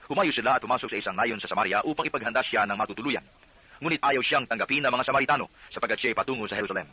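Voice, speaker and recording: A man reading scripture aloud as a steady, earnest narrator. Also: mid-range voice, racing, husky, no echo. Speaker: Bible reader. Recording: dull lo-fi audio.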